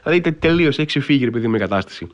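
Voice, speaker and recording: A man hosting a podcast, talking casually and at length in an animated storytelling way, with wry, incredulous humor and lots of filler phrases. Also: mid-range voice. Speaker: podcast host.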